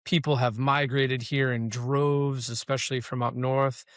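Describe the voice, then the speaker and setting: A man hosting a local interview show, introducing his guest and asking questions. He talks conversationally and leans on fillers. His voice is at a middle pitch, captured close with a dry sound. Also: little pitch movement, measured pace, no echo. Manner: conversational, with fillers like "you know". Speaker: podcast host.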